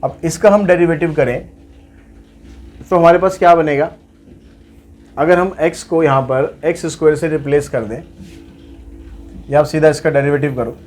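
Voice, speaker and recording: A man's voice: on the high side, steady tone, normal speed, long pauses, a little mellow, faint music behind. A man teaching a maths lesson, working through problems step by step and asking and answering his own questions. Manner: explains steps aloud, asks and answers his own questions.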